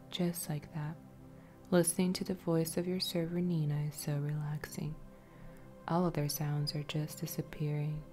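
Waitress hypnotist, played by a woman: coaxing ASMR roleplay, soft mellow breathy delivery, evenly pitched, light music behind. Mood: soothing, coaxing. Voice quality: soft, breathy, often whispery. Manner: slow, repetitive, soothing, coaxing. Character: friendly waitress turned soothing, commanding hypnotist.

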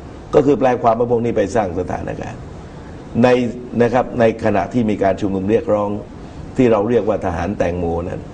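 The voice is low, steady and very mellow, belonging to a middle-aged man giving measured political commentary. He's on a talk show wearing a lapel mic, and slight noise is audible in the TV studio sound.

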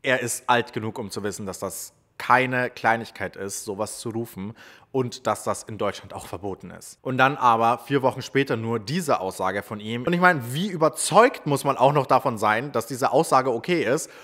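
A young man talks through celebrity news in a casual, chatty way. His tone is often sarcastic, and he fills his speech with little hesitations. His voice sits at an ordinary middle pitch. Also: normal speed, fairly bright tone. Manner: chatty, sarcastic, lots of fillers. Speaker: commentary YouTuber.

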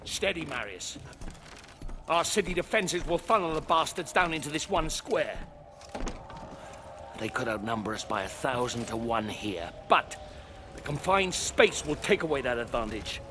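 An actor playing a resolute Roman military commander in a video game, measured, urgent and commanding. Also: male voice, a little high, animated, noisy background, natural voice. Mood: commanding urgency. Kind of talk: dramatic video game acting.

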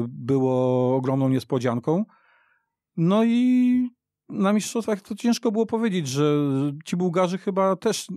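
A man's voice: a little high, darkish tone, dry recording, studio quality. A middle-aged man reminiscing in a casual football discussion, rambling and repeating himself as he tells the story. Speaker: football podcast guest. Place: radio studio.

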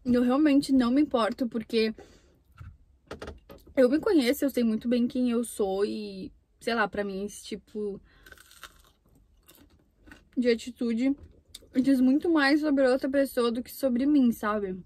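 A young Brazilian mukbang YouTuber chats casually between bites while filming in a parked car, her camera on the dashboard. Her voice is on the high side and warm, and she speaks slowly with frequent pauses.

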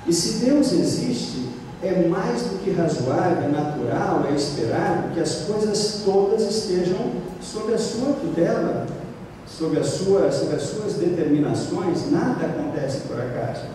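A middle-aged man with a Brazilian Portuguese accent, giving a spiritist lecture in a measured way and rising in pitch on key points. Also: lively intonation, mellow, slight background noise. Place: lecture room at a spiritist center. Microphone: stand mic, filmed from across the room. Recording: echoey hall from far off.

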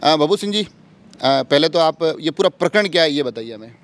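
A man's voice: fairly high pitch, expressive, moderate pace. A man, interviewing as a news reporter on a handheld microphone outdoors. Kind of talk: field interview. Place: outdoors in an office compound.

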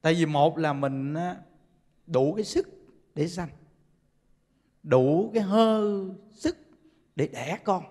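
A man preaching a Buddhist sermon, telling animated stories and often laughing. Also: a little high, slow pace, pauses often. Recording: long hall reverb.

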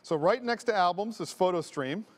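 A man's voice: sits high, animated, normal speed. A man giving a live product demo on a large stage, walking through each step casually. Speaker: company executive giving a demo.

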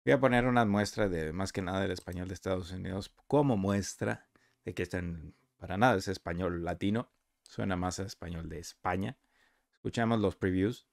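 Low gravelly man explaining software. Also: normal speed, no echo, clean studio sound. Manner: conversational, explaining step by step. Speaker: software reviewer. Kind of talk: screen-recorded software walkthrough. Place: voice-over on a screen recording.

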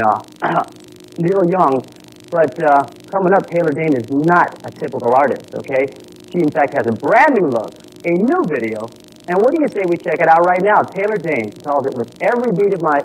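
A young man hosting a music video countdown on a TV studio set. His voice sits a little high, and he delivers punchy, energetic announcer patter. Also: a little hiss or hum, rough recording. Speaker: music video show host. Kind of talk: upbeat TV presenter patter. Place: TV studio set, seated in director's chair.

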